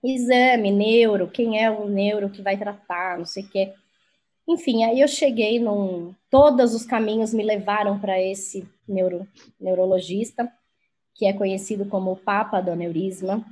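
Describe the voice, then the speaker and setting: A woman's voice: medium pitch, steady tone, moderate pace, darkish tone. A woman telling a personal story frankly and with animation in a casual conversation, swearing freely. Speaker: guest.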